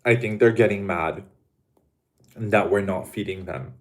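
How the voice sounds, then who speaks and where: A man hosts a casual livestream and chats to viewers in a camp, dramatic way, stretching out his words. He talks slowly in a lowish voice. Now and then he pauses to eat. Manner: eating while talking. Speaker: livestream host.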